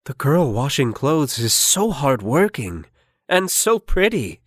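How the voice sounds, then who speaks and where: A man voicing a gentle, polite young prince in a children's story. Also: medium pitch, very animated, slow pace, no echo, studio quality. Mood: admiring.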